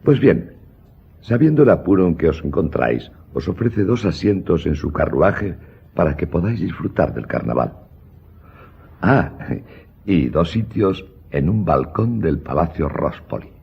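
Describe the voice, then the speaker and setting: A man's voice: low voice, sing-song, measured pace, creaky, breathy edge, heavily acted. A man playing an eager, deferential innkeeper in a radio drama, with a polite, servile and gossipy manner. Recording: dull recording.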